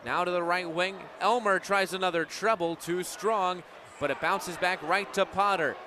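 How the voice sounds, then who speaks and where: At a live sports venue, a twenty-something American man handles radio play-by-play in a voice that sits high, moving at a moderate pace. Crowd and gym noise run underneath.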